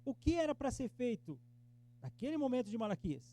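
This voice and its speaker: A Brazilian man, a pastor, teaching an interactive Bible class, questioning the class and acting out their replies, swinging between emphatic exhortation and soft earnest tones. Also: very high voice, big pitch swings, a little fast. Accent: Brazilian Portuguese. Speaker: pastor teaching Sunday school.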